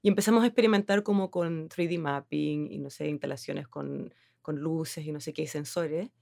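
A woman's voice: deep voice, fairly even intonation, normal speed, creaky, mellow, no room sound, studio quality. A Chilean woman in her thirties with a Chilean accent, answering interview questions in a rambling, casual way with lots of fillers. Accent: Chilean Spanish. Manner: rambling, many fillers and restarts, laughs easily. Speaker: designer, interview guest.

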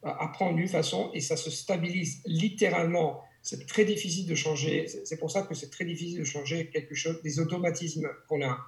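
A man's voice: on the high side, fairly even intonation, brisk, few pauses. A man from Italy, speaking French as a language teacher in a conversational interview, hesitant with frequent restarts and fillers. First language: Italian. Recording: roomy echo.

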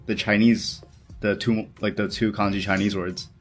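A man's voice: lowish voice, little pitch movement, normal speed, soft background music. A man co-hosting a podcast in casual conversation, with informal, slangy phrasing. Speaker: podcast co-host.

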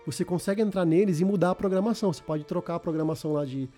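A man's voice: high voice, rapid-fire, warm tone, soft background music. A man with a Brazilian Portuguese accent explaining a video game in casual, informal podcast talk, repeating words as he goes.

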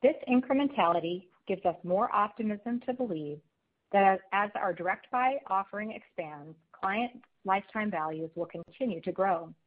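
A woman speaks through a thin, phone-like conference line. She reads prepared business remarks as a company executive, keeping a formal, measured delivery at a medium pitch. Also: animated. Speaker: company executive presenting on an earnings call. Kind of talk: scripted corporate presentation.

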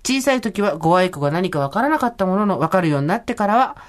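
A middle-aged woman co-hosting a radio talk show, chatting casually and telling stories with lively energy. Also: medium pitch, fast talker. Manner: lively, animated storytelling. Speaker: radio co-host. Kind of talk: casual chat.

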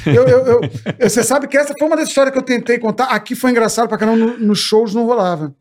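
A man, a guest comedian, telling a story in a casual podcast chat, animated and peppered with profanity. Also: extremely high pitch, rapid-fire.

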